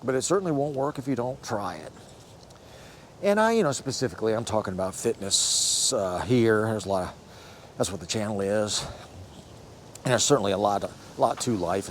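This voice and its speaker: A man's voice: on the low side, a little mellow, slight background noise. A man in his sixties hosting a fitness vlog, talking casually to camera in a rambling, encouraging way and often correcting himself. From United States. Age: 60s. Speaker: fitness channel host.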